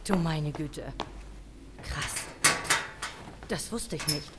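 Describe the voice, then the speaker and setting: A woman playing a level-headed senior police official in an audio drama, measured, formal and decisive. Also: sits low, very noisy. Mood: grave, decisive. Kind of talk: German audio drama acting.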